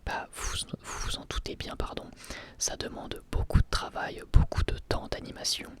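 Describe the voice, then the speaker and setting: A man giving a whispered ASMR review, talking in a relaxed, rambling way with hesitant restarts. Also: normal speed. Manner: soft unvoiced whisper throughout.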